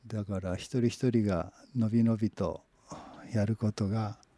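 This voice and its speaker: Somewhat breathy and fairly low-pitched, a man's dark, mellow tone comes with fairly even intonation on a very clean recording with a silent background. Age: 60s. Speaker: university professor. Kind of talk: casual chat. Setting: studio in total darkness.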